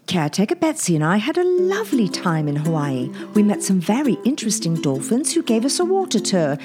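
A woman's voice: medium pitch, wildly swooping pitch, a little fast, music in the background. A woman playing a genteel, sympathetic doctor in a children's audio story, polite, proper and soothing. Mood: gentle.

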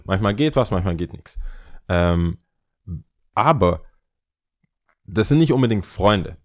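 A man, a guest on a podcast, telling a casual story in an animated way and dropping English slang into his talk. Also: deep voice, slow.

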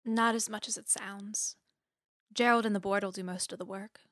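A woman's voice: medium pitch, steady tone, moderate pace, fairly bright tone, no echo, close to an everyday voice. A woman acts out a determined young female student in an audio drama. She is understated and wry, guarding her nerves behind dry wit, in a mid-range voice recorded very dry. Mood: dry, resolute. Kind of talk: audio drama acting, naturalistic dialogue.

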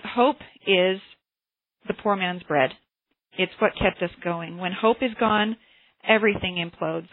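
A woman's voice: medium pitch, no echo. A woman hosting a motivational class on a group phone call, speaking earnestly and sharing personal stories over a tinny line. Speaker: host and teacher of a motivational class. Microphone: telephone conference call.

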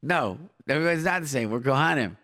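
A middle-aged man hosts a live radio call-in show, handing out informal advice in short, repeated phrases sprinkled with Hebrew and Yiddish expressions. His medium-pitched voice is quick, lively in intonation, pushed and bright. There's a little hiss or hum.

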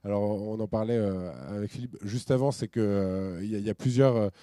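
A middle-aged man from France giving a talk with slides, casual and animated, with ironic asides and many restarts. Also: on the low side, a little fast, no echo. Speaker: speaker at a business talk.

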